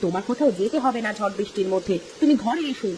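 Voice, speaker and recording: Fretful village wife done by a man, shrill, quick, cartoon. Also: animated, darkish tone, slight background noise. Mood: anxious. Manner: high, pleading, urgent. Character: anxious village wife, woman, caring. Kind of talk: cartoon voice acting.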